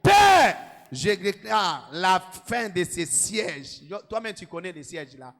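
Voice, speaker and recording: Pastor, very high voice, drives the room with repeated shouted commands; echoey church hall. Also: male voice, big pitch swings, slow pace, vocal fry. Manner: repetitive shouted commands and exhortations. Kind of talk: sermon and led prayer.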